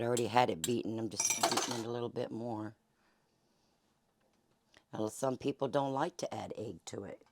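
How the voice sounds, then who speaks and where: Hoarse Southern woman chatting while cooking. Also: extremely low pitch, a little hiss or hum. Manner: chatty, folksy, many fillers. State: hoarse, losing her voice. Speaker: cooking channel host. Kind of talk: casual cooking demonstration. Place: home kitchen.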